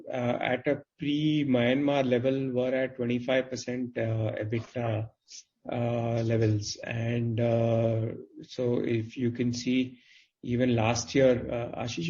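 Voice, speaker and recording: A man speaking as a company executive on an earnings call, explaining things in a halting, qualified way over conference audio. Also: mid-range voice, fairly even intonation, darkish tone. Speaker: company executive answering investors' questions. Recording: dull, band-limited conference call audio.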